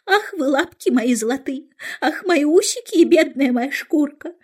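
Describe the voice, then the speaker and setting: An anxious white rabbit from a storybook, played by a woman. He frets and laments in a high voice. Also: lively intonation, moderate pace, a little mellow. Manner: fretting, lamenting.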